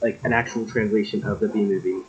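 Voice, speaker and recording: A man giving an informal comedic presentation, halting and repeating himself as he goes. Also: lowish voice, fairly even intonation, lo-fi sound, crowd noise. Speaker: presenter of an invented language.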